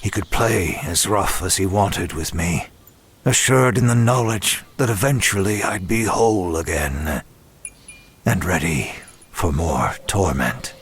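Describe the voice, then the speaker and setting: A man playing a broken, self-loathing demon who narrates a horror audio drama in a grave, measured way. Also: low voice, slight background noise. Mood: weary anguish. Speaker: first-person narrator.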